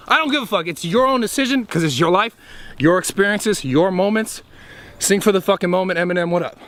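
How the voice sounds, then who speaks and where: A man's voice: high voice, a bit bright. A man vlogging outdoors, giving a rambling, profane motivational talk straight to the camera. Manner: rambling, profane, fast and emphatic. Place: outdoors among trees.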